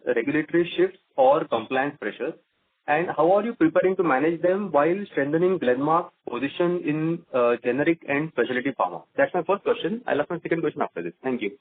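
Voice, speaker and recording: Guy calling in on a phone line, slightly high voice, polite formal questions, methodical. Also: expressive, brisk, slightly rough. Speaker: caller asking questions. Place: conference call.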